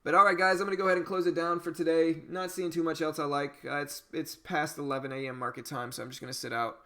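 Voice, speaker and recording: A fast-talking man whose voice sits on the high side hosts a day-trading livestream. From Louisiana with a bit of a Cajun accent, he reads viewer comments in a loose, chatty manner and says "you know" frequently.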